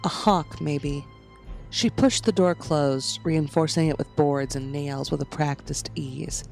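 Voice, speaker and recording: A man narrates a scripted horror story in the third person. His voice is on the high side for a man, with clear creaky fry. Quiet music runs beneath it. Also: fairly even intonation, slow pace. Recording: music under the voice.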